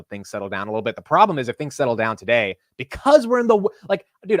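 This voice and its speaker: Fast-talking young man, dry close sound. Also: no room sound. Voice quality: deep voice. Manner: animated, says "dude" and "like" a lot. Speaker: host of a live market stream. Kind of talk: casual livestream chat.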